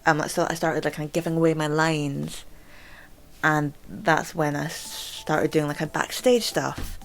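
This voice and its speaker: A young woman hosting a casual vlog chat. She stammers, repeating words and filling pauses with "um" and "like". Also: low-pitched, steady tone, vocal fry. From Scotland. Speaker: channel host.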